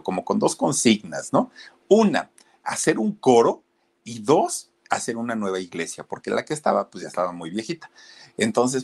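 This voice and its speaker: Male narrator with a Mexican accent, low-pitched and very lively, chatty and direct with his listeners. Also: breathy edge. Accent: Mexican Spanish. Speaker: history storyteller, channel host. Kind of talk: casual storytelling to an online audience.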